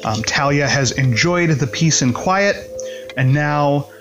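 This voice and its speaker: A man's voice: on the high side, slow. A man hosting a tabletop gaming show as game master, giving a casual introduction. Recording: slightly dull, music behind voice.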